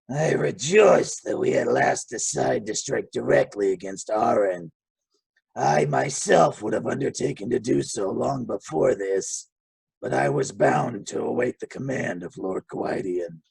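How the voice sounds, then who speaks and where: Putting on a character voice, a man speaks in a raspy tone at a medium pitch and a moderate pace. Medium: read story. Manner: measured, courteous, ice-edged.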